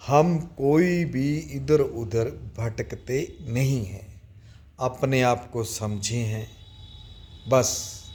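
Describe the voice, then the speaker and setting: A man giving a slow, deliberate spiritual talk on meditation, addressing listeners directly with long pauses. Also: medium pitch, darkish tone. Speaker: spiritual teacher.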